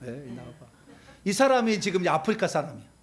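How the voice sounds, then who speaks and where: Husky-voiced Korean pastor, lively and high. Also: male voice, fast. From South Korea. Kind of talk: charismatic prayer meeting teaching.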